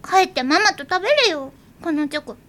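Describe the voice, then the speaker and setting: A woman's voice: very high voice, lively intonation, fairly quick, fairly bright tone. A woman voicing a shy, lovestruck schoolgirl who speaks timidly and hesitantly in a drama scene.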